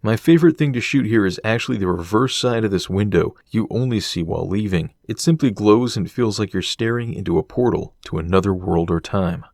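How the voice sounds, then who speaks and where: A man delivering scripted documentary narration as the host of an exploration series, in a measured, descriptive manner. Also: lowish voice, a little mellow, no room sound, studio quality.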